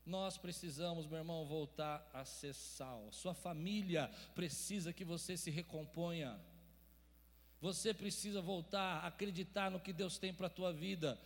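High-voiced pastor preaching in a big hall. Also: male voice, unhurried. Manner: preaches with call-and-response questions to the congregation; swings between quiet talk and loud shouted preaching. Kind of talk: sermon. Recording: reverberant church hall.

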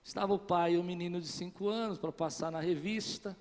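A man's voice: sits high, steady tone, fairly quick. A man preaching a sermon as a pastor, telling a story and speaking straight to his listeners, rising to emphatic peaks. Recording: long reverb of a large hall.

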